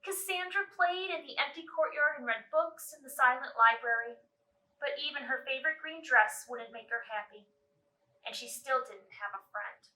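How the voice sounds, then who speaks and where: A woman reads a children's story aloud with deliberate, expressive phrasing. Her voice is high and lively, with a very bright edge, recorded at some distance in an echoey room. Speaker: library storytime reader. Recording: roomy echo, distant mic.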